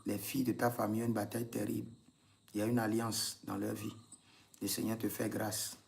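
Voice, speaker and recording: A man's voice: lowish voice, flat delivery, fairly quick, gravelly, a little hiss or hum. A man, a prophet leading a live prayer session, repeating intense commands and breaking into tongues.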